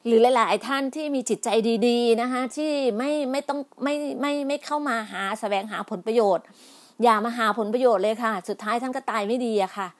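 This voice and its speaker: A middle-aged woman, her voice on the high side and a little fast, delivers a heated political monologue. Emphatic and scolding, she repeats and restarts a lot, using polite particles as she goes from pleading to indignant.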